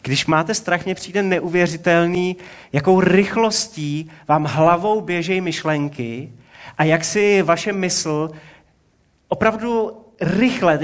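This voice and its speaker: A man in his forties preaching a sermon in a relaxed, conversational way, asking rhetorical questions. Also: a little high.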